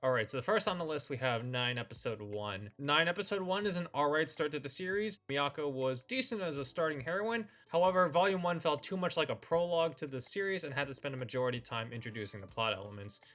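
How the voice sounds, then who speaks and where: A man with a slightly high voice delivers semi-scripted review commentary as a video host. He speaks as a reviewer walking an audience through his opinions, with music playing faintly behind his voice. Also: animated, fast talker, few pauses, a bit bright.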